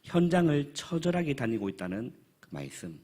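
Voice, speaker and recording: A man in his thirties, a pastor, giving an earnest spoken report at a church forum, with halting speech and many filler pauses. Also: mid-range voice, very animated, warm tone. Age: 30s.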